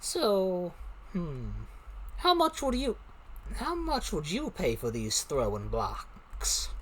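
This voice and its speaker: A man talks in a put-on character voice at a very slow pace, with long, frequent pauses. Clear background noise runs under him. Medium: actual play. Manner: folksy, drawling, haggling.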